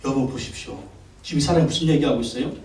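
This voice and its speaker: A male pastor preaches a Sunday sermon in a church sanctuary, caught by a distant mic in the echoey hall. His medium-pitched, slightly mellow voice comes rapid-fire as he emphasizes points, repeats phrases, and asks the congregation questions.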